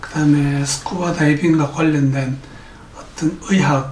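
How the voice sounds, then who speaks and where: A man with a fairly high pitch speaks at a very slow pace, with audible room echo and noticeable background noise. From South Korea, Daegu. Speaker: ENT doctor and scuba diving instructor. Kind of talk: self-introduction monologue.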